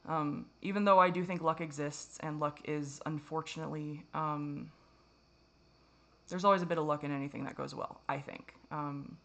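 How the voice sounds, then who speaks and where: Woman vlogger, lowish voice, raw confessional to-camera ramble, curses a lot, trips over her own sentences. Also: fairly even intonation, moderate pace, gravelly. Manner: rambling, self-critical, profane, frequent restarts.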